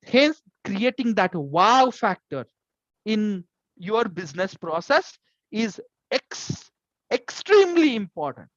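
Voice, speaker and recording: A very slow pace with long, frequent pauses and very wide pitch swings, in a dry, close sound with no echo. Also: man, high pitch for a man. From India, Maharashtra. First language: Marathi. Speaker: IT and business transformation leader, webinar speaker. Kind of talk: webinar lecture. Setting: online webinar. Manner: halting, with frequent fillers.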